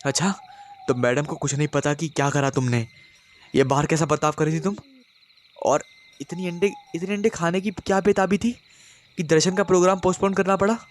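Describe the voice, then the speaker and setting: An irritated young husband, as a male storyteller puts him on scolds insistently, his pitch rising when he presses a point. It is a spoken horror-story voice. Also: fairly even intonation, a little fast, natural voice. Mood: scolding.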